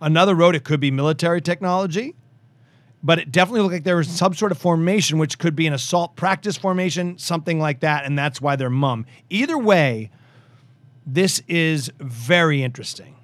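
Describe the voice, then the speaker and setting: A man from the United States hosts a casual podcast in a high voice. He reads headlines aloud, then launches into loud, animated rants. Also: brisk, no echo. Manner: animated, loud and ranting at times. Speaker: podcast host. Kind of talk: casual podcast chat with ranting.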